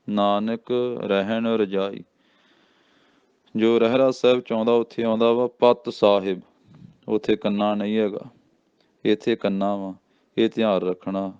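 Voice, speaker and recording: Slow-reciting man teaching scripture pronunciation. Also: fairly low pitch, darkish tone, clear, resonant tone, dry recording, dull audio. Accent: Punjabi. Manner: chants verses slowly, then explains quickly.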